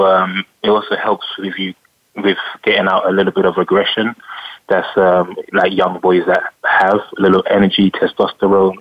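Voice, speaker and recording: A middle-aged man with a London accent, a retired soccer player, answering interview questions in a measured way with many pauses. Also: sits low, highs cut off. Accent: London English. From England.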